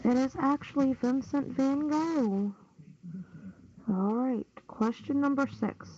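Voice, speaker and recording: A woman's voice: high voice, slow, warm tone. A woman hosting a casual trivia game over online voice chat, reading out questions and answers. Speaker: quiz host. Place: online push-to-talk voice chat. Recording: dull lo-fi voice-chat audio, noisy, clicks.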